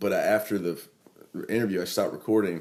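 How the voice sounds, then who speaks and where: A man with a Southern accent talks very fast at a fairly low pitch. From South Carolina. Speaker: podcast host and media producer. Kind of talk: casual chat.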